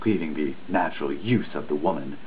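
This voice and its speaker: Deep-voiced man reading dramatically, phone-like sound. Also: fairly quick, faint music behind. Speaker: reader, host of a reading series. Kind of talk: dramatic reading of a written text. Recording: muffled phone-like sound, faint noise.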